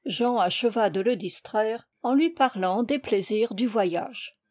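A woman reading a classic children's novel aloud in calm, measured storytelling. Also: a little high. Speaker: audiobook reader. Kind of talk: scripted narration of a classic novel.

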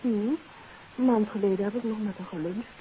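A woman plays an inquisitive, gently teasing detective's wife in an old radio mystery. Her voice sits at a medium pitch, with period drama delivery. The recording is dull and faintly hissy. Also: steady tone, a little fast, natural voice. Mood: curious, affectionate. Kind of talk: 1950s Dutch radio drama acting.

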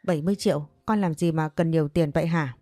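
A woman voicing a gentle, caring middle-aged father who speaks calmly. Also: mid-range voice, fast talker, dry recording, clean studio sound, close to an everyday voice.

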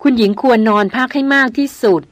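A woman doing a curt, gruff male hunter. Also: high voice, fast, no echo, voice pushed up, lightly acted. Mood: stern. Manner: curt, stern.

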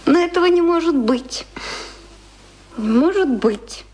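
A woman's voice: very high-pitched, lively intonation, unhurried, darkish tone. An actress playing a sheltered, naive young woman of good family in a Russian radio play, anxious and affectionate, with hesitant repeats. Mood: tender, timid.

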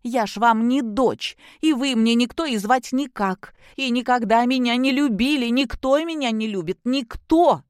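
A woman's voice: a little high, moderate pace, few pauses, a little mellow, clean tone, dry recording, clean studio sound, voice pushed up, close to an everyday voice. A woman voicing a drunk, spiteful young mother who talks in a slurred, mocking, whiny way. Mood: bitter scornful.

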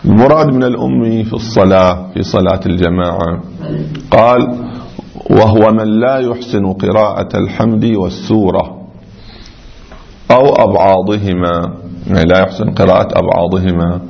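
Male seminary teacher, low gravelly voice, patient step-by-step lecturing, lo-fi dull recording. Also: fairly even intonation, normal speed. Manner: explains step by step, repeating examples and sounding out letters. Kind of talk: religious jurisprudence lecture.

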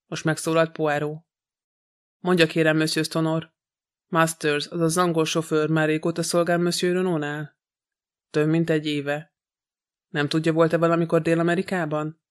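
A man reading a detective novel aloud as an audiobook narrator, in a measured, even way. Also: clean tone. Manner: even, measured reading with little pitch movement.

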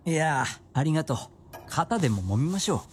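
妻に思わせぶりに答える気楽な作家の夫を演じる男性俳優。ラジオドラマの芝居。. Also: male voice, fairly high pitch, brisk, soft background music. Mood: playful. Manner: relaxed, teasing, evasive. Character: easygoing novelist husband, coy. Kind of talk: radio drama acting.

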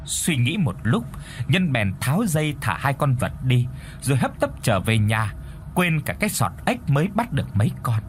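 A man narrating a folk tale in an expressive storytelling style. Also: medium pitch, moderate pace, a little hiss or hum. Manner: expressive, dramatic.

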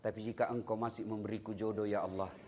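A man voicing a pilgrim who quietly prays for another wife, in a hushed, earnest murmur. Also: lowish voice, flat delivery, fast talker, slight background noise, pitched below the performer's own voice, natural voice. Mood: hushed pleading. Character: middle-aged male pilgrim praying softly for another wife.

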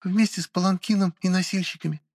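A man voicing a withdrawn, grieving young woman who speaks quietly and haltingly. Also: high-pitched, steady tone, no echo, studio quality, voice pushed up. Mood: subdued. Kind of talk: audiobook character voice.

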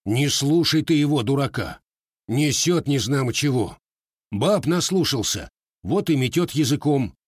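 A gruff, growling old Cossack grandfather, as a man puts him on for an audiobook. His voice is stern and curt, recorded dry and close. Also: medium pitch, expressive, measured pace, no echo, pitched above the performer's own voice.

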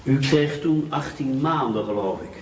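A man's voice: mid-range voice, animated, a little slow, lightly acted. A man playing a persistent official who questions someone in a Dutch radio drama. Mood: probing, insistent. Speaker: actor playing an interrogator. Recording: dull, echoey hall, distant, noisy.

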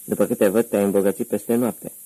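Brief: a man doing a calm, menacing audiobook gangster, very deep, flat, dark. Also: slightly rough, no room sound, rough recording. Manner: calm, quietly threatening. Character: menacing middle-aged male gangster, cold interrogator.

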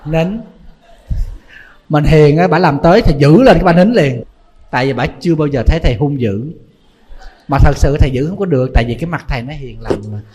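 A man, a Buddhist monk giving a lively storytelling sermon full of exclamations. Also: on the high side, fast, breathy edge.

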